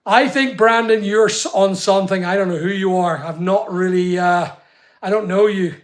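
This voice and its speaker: A man's voice: sits high, moderate pace. A middle-aged man with a Northern Irish accent, chatting casually to his channel while directing a helper at work, recorded from a distance in an echoey room. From England. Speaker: channel host. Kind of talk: casual chat while working. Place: studio room under construction, indoors. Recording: echoey room, distant mic, faint noise.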